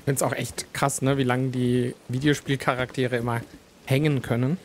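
A man's voice: medium pitch, level tone, moderate pace. A man giving casual, playful gameplay commentary in short reactions and exclamations. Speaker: let's player. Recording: game noise behind commentary. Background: video game sounds.

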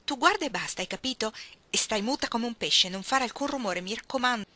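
A woman reading aloud, voicing Iggy, an impish tomboyish girl who pleads and teases in a raised, bright voice. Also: expressive, fairly quick, no room sound. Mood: bossy. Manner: insistent, coaxing, higher and louder than narration.

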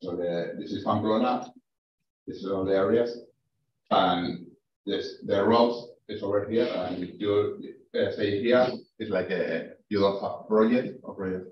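Halting guy presenting, slow, echoey room from far off. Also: on the low side, a little hiss or hum. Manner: halting, hesitant, many fillers. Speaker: presenting researcher. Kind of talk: academic presentation and answers. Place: lecture room. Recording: echoey, distant, dull room recording.

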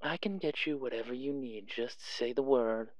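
A man's voice: medium pitch, moderate pace, dry recording, lightly acted, low-quality recording. A man playing a sly, theatrical black-market dealer in an audio roleplay, coy, teasing and purring as he pries. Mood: teasing, coaxing.

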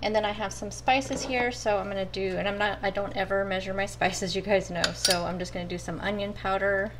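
A woman explains her meal prep step by step in a relaxed, friendly chat, talking straight to her viewers. Her voice sits at an ordinary middle pitch. A steady background noise runs under the home kitchen recording. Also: fairly quick. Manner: chatty, addresses viewers as you guys. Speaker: cooking vlogger. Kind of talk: casual step-by-step cooking talk.

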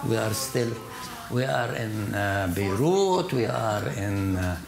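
Gravelly older man with an Arabic accent. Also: on the low side, takes it slowly, crowd noise. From Palestine. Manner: animated and emphatic, with many restarts and Arabic asides. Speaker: art collector, guest. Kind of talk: conversational storytelling on stage. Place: lecture hall with seated audience.

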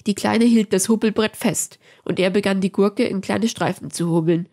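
A woman reading a fan fiction story aloud with expressive storytelling. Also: mid-range voice, moderate pace. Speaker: story reader.

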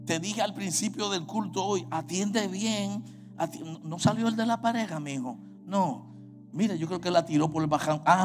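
High-voiced Puerto Rican preacher, shouting and singing. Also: male voice. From Puerto Rico. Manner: swings from quiet talk to shouted, sung exhortation. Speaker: pastor. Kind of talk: sermon.

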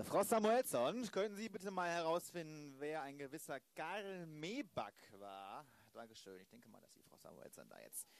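A man playing a dry, world-weary police inspector with halting, ironic delivery in an improvised audio drama. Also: on the high side.

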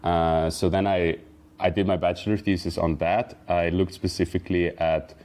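A man's voice: low-pitched, level tone, moderate pace, darkish tone. A young man from Switzerland, talking thoughtfully as a podcast guest, with frequent fillers and restarts. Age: young adult. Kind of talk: casual interview talk.

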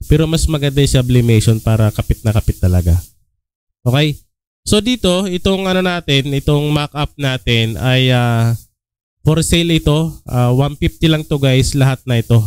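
Filipino male tutorial host, young, relaxed and filler-heavy, clean dry close-mic sound. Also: medium pitch, clean tone, no room sound. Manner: relaxed, many filler "ah" and "okay?" check-ins. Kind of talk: casual screen-recorded tutorial.

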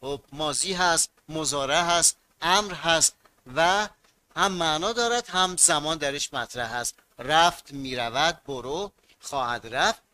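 A man's voice: fairly high pitch, sharp tone, dry recording. A man teaching a grammar lesson to students, repeating key words and asking them to fill in blanks.

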